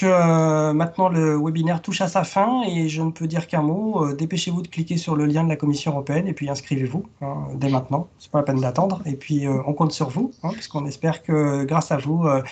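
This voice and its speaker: A man's voice: fairly high pitch, darkish tone. Upbeat male webinar moderator.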